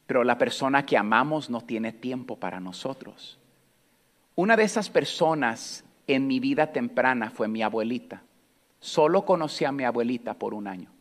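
A man preaching a sermon as pastor, telling a personal story and dropping to a soft near-whisper at quiet moments. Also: medium pitch. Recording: long hall reverb.

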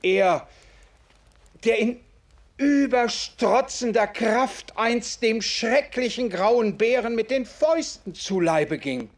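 An actor playing an impassioned writer in a radio play, speaking in declamatory, old-fashioned formal sentences. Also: male voice, extremely high pitch, lively intonation, slow pace, full character voice. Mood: mournful. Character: impassioned male writer defending the oppressed. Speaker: author figure in conversation. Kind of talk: German radio play acting.

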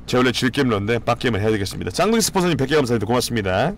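A man streaming a competitive game, commenting live, cheering teammates and shouting and swearing as he plays. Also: medium pitch, racing, slight background noise. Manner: excitable, shouts and swears during play; cheers on teammates with repeated calls.

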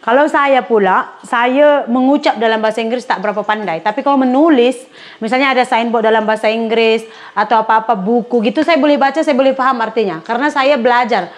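A woman's voice: fairly high pitch, fairly quick. A middle-aged woman from Indonesia in her speech, chatting casually to viewers while she cooks in a home kitchen. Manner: chatty, addresses viewers as pemirsa. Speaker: cooking vlogger. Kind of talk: casual chat while cooking.

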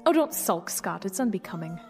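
A woman's voice: medium pitch, sing-song, fairly quick, darkish tone. An actress playing a condescending female villain in command, politely mocking, in an audio drama. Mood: smug, teasing. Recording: long reverberant hall, faint music underneath.

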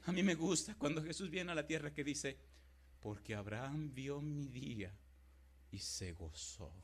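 A middle-aged pastor preaching a sermon, moving between loud, emphatic declarations and quiet, tender storytelling. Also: male voice, on the high side, a little slow. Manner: dramatic preaching that swings from loud exclamations to hushed storytelling.

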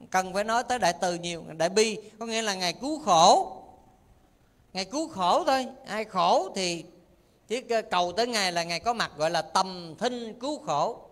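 A high-voiced male monk preaching. He teases the listeners with quick questions and keeps his sermon lively and playful. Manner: lively, teasing questions to the audience. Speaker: Buddhist monk teacher. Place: temple hall.

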